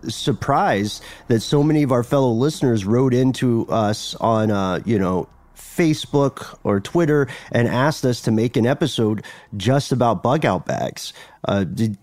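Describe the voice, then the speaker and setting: A man's voice: medium pitch, darkish tone. Man chatting casually as podcast host. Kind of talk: casual chat.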